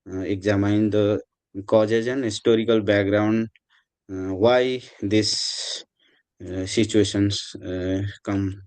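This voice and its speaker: Nervous man speaking slowly. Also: on the low side, a little mellow, no room sound. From Nepal. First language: not English or Nepali. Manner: nervous, hesitant, clears throat. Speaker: invited speaker. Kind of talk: halting presentation in a second language. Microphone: video call.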